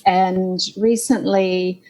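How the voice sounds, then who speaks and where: A woman's voice: fairly low pitch, fairly even intonation, very slow, warm tone. A middle-aged Canadian woman with a Canadian accent, a clinician guest on a podcast, explaining medical research in an earnest, detailed way. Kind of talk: podcast interview over a call.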